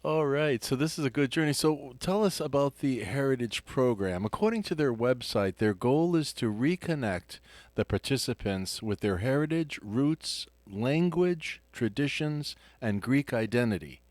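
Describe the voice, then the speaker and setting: A man's voice: medium pitch, lively intonation, moderate pace, a little mellow, no echo. A man hosting a live radio interview in a studio, chatty, with many fillers and restarts. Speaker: radio host.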